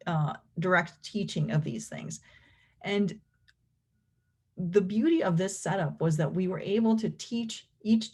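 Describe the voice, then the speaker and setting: Low, husky woman lecturing. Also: darkish tone. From Venezuela. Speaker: clinical professor and behavior analyst presenting research. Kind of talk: explanatory academic lecture.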